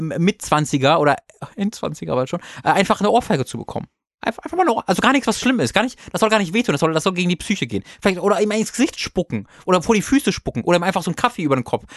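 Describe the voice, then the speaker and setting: A man's high-pitched voice at a very fast pace, lively in intonation, with a dry, close sound and no echo. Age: 20s. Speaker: podcast co-host. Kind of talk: casual chat.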